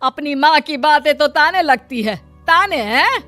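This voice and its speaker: A woman playing a nagging, sharp-tongued mother. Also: sits high, expressive, measured pace, soft background music, full character voice. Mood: scolding. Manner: scolding, taunting. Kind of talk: animated story voice acting.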